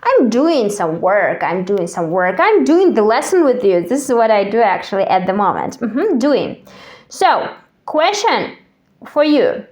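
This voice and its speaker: A woman from Kazakhstan whose first language is Russian, teaching an English lesson and repeating each phrase slowly and clearly for learners to echo. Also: medium pitch, big pitch swings, darkish tone. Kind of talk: slow drill-style language lesson.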